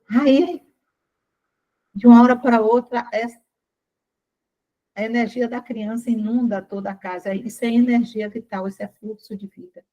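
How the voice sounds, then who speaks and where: An older Brazilian woman leading a study group, reading aloud and talking slowly and carefully to save her strained throat, often asking the group questions. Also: a little high, a little mellow, low-quality recording. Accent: Brazilian Portuguese.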